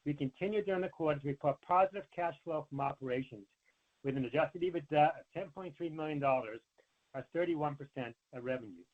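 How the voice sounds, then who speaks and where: A man, a company finance executive, reading prepared earnings remarks in a formal, measured way over a conference call line. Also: on the high side. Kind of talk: scripted earnings call presentation. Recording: narrow, tinny conference phone line.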